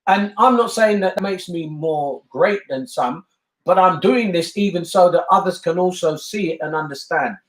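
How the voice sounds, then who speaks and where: A man's voice: high voice, moderate pace, echoey room, poor audio. An older man with a British accent, talking earnestly and emphatically in a casual family discussion, often repeating himself for emphasis. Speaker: bishop and family talk host.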